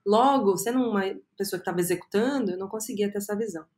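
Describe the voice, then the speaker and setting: A woman in her thirties with a Brazilian Portuguese accent, a podcast guest telling her career story earnestly and often filling pauses with "é". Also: medium pitch, a little mellow. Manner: earnest, storytelling, frequent "é" fillers. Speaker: guest, agency co-founder. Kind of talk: reflective podcast interview.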